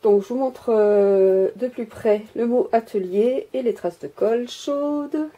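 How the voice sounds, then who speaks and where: A woman rambles through a casual crafting show-and-tell, stopping often to hesitate and poke fun at herself. Her voice is very dark and mellow, with a husky, breathy edge. She is recorded through the built-in mic of the camera she holds at home. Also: fairly high pitch, takes it slowly, muffled recording. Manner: rambling, self-mocking, many hesitations. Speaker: crafter showing her miniature workshop. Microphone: handheld camera mic.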